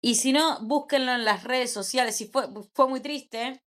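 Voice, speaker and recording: A young woman with an Argentine Spanish accent gives an informal class lecture, conversational and often checking in with quick rhetorical questions. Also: sits high, fairly bright tone. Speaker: teacher.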